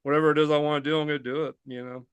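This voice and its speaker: A man's voice: on the high side, level tone, rapid-fire, clean tone, no echo. A man in his fifties hosting a podcast, chatting in an earnest, agreeable way. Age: 50s. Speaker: podcast host. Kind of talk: casual chat.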